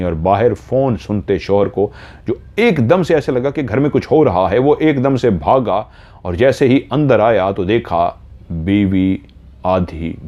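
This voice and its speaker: On a dull, lo-fi recording, a man narrates a horror story dramatically, his pitch and volume rising whenever the tension builds.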